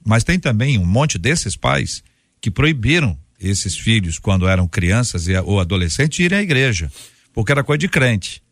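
A Brazilian man hosting a live religious debate programme, putting questions in a deliberate, phrase-by-phrase way. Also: mid-range voice, fairly bright tone, husky, no echo, studio quality. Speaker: radio debate host.

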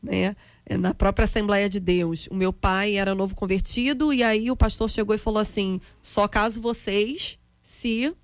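A woman talking thoughtfully about faith, pausing on fillers as she shares a family story. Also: mid-range voice, steady tone, dry recording. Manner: reflective, with frequent fillers. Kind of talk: conversational faith talk.

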